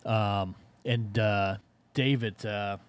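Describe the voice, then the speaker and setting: Low-voiced American man on ham radio. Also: steady tone, drawn-out words, clear, resonant tone, no room sound. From Ohio, United States. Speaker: amateur radio operator. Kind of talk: casual ham radio chat.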